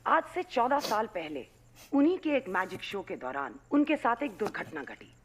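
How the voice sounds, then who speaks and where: An actress playing a TV news anchor reading a scripted report. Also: female voice, a little high, very animated, normal speed, a little hiss or hum.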